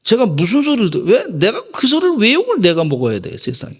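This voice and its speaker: Gravelly-voiced preaching pastor in a reverberant church. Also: male voice, wildly swooping pitch, fast talker. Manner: emphatic preaching, swings between loud exhortation and low asides. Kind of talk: sermon. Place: church sanctuary.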